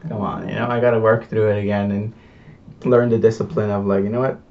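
Young male vlogger, relaxed rambling delivery heavy on fillers and slang; distant, slightly dull recording. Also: lowish voice, quick pace. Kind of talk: casual confessional chat.

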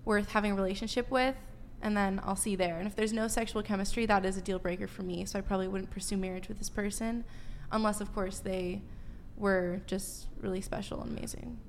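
A woman's voice: mid-range voice, steady tone, a little fast, a little hiss or hum. Earnest woman guest with faint ambience. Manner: earnest, thoughtful, explains her views. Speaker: panel guest. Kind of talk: casual panel chat.

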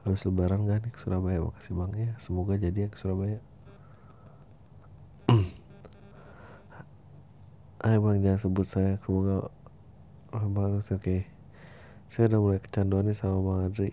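With a warm tone, a flat delivery, a moderate pace and long pauses, a man hosting a podcast reads listener emails aloud, mixing in informal slang and casual swearing. The audio is dull and lo-fi, marked by a faint rumbling noise.

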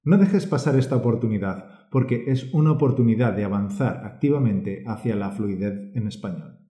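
A man co-hosting a language-learning podcast, speaking and reading aloud in a measured, encouraging teacher's way. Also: on the low side, lively intonation, dark tone, reverberant. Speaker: podcast co-host.

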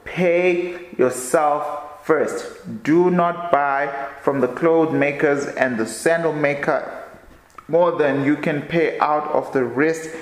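Halting man reading aloud in an echoey room. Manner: halting reading, often stumbles and restarts words; low-key, tired delivery. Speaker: podcast host. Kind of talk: reading a book aloud with casual commentary.

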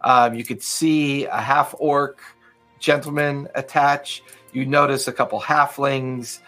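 A man's voice: medium pitch, steady tone, takes it slowly, pushed and bright, soft background music. A man narrating a tabletop game as game master, in loose, filler-heavy narration.

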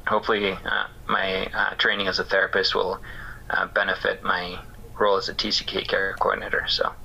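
A man talking as an interview guest about his work, thoughtful and halting with many fillers. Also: sits low, completely flat delivery, gravelly, sharp tone, a little hiss or hum, poor audio. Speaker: interview guest, missions care worker. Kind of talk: casual reflective interview talk.

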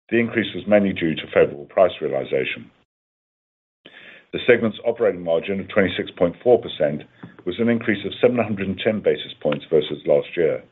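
Male finance executive, deep and rough-edged, formal scripted read over a thin telephone connection. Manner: formal, measured reading of figures. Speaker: company finance executive presenter. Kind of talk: scripted earnings call presentation. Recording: tinny phone-like conference line.

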